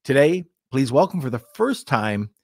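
Podcast host guy, talks lively and chatty, dry mic sound. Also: medium pitch, normal speed, slightly rough, no room sound. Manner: lively, chatty, reads sponsor spots. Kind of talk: podcast interview.

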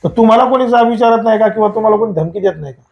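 A man's voice: high-pitched, very fast. A man asking conversational questions as an interviewer. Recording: muffled sound with music behind. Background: background music.

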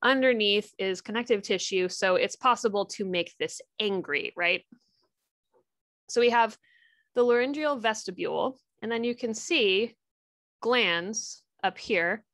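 A woman lecturing on histology in a chatty, informal way, tossing in jokey asides between explanations. Her voice sits at an ordinary middle pitch. The sound is dry and close, with no room around it. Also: measured pace, fairly bright tone, no echo. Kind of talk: recorded lecture.

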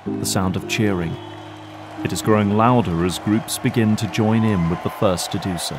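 Low-voiced man narrating over loud music. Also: moderate pace. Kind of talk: dramatic scripted audio drama narration.

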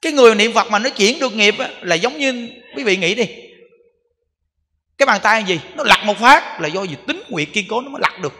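A man's voice: sits high, lively intonation, brisk, pushed and bright. Man, Buddhist monk, Southern Vietnamese accent, sermon, emphatic and repetitive, long hall reverb. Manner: emphatic, repetitive, rhetorical questions to the audience. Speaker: Buddhist monk giving a dharma talk.

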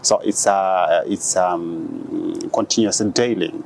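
Halting young man from Kenya. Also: sits low, steady tone, gravelly, a little mellow, a little hiss or hum, rough recording. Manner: halting, with frequent restarts and fillers. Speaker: guest. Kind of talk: conversational interview. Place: outdoor glass dome on a city square. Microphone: lapel.

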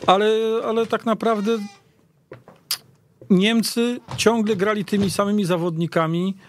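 A man giving conversational football analysis, haltingly, repeating words as he goes. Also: high voice, little pitch movement, slight background noise. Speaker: football pundit.

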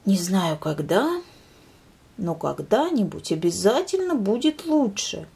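A woman voicing an earnest, gentle little bear cub in a storybook reading. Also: mid-range voice, very animated, slow, vocal fry, slightly rough, exaggerated voice. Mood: hopeful.

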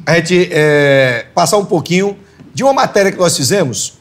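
A man's voice: fairly high pitch, animated, moderate pace. A male talk-show host interviewing a guest in casual chat, upbeat and egging him on to do voices.

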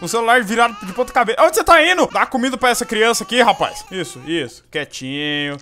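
Excitable Brazilian gamer guy, bright voice. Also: high voice, fast. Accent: Brazilian Portuguese. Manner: excitable, joking, prone to sudden outbursts. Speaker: let's play host. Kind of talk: gameplay commentary.

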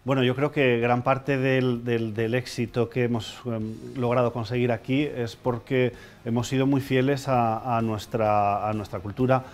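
A chef speaking in a measured, reflective way in an interview in a restaurant lounge. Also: male voice, mid-range voice, level tone. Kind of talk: interview talk.

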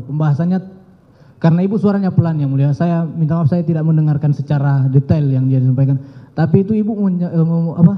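A young man giving halting, deferential testimony in court, repeatedly addressing the judge. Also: fairly high pitch. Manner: halting, deferential, often says "Yang Mulia". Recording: muffled broadcast audio with long courtroom reverb.

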